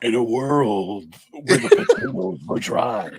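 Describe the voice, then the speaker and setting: A man does a raspy put-on character voice at medium pitch. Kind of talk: dramatic trailer voice. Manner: mock-dramatic.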